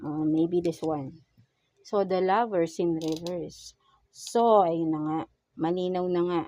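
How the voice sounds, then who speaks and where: A woman's voice: fairly low pitch, fairly even intonation, mellow, rough recording. A woman with a Filipino accent doing a casual tarot reading, mixing Tagalog and English and asking coaxing rhetorical questions. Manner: slow, murmured pleading while drawing cards. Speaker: tarot reader.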